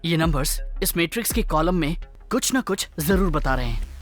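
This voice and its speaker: A man's voice: a little high, lively intonation, normal speed, fairly bright tone, soft background music. An actor playing an intense, bossy young man caught up in solving a puzzle. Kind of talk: film dialogue.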